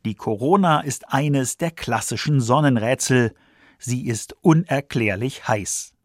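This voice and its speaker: A man's voice: mid-range voice, measured pace, no echo, clean studio sound. A man reading scripted science documentary narration for a radio feature.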